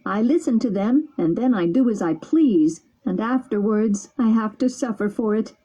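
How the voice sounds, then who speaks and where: A woman voicing an impulsive, rude wooden puppet boy who pleads in a high, tearful voice. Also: measured pace, warm tone, rough recording. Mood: weeping.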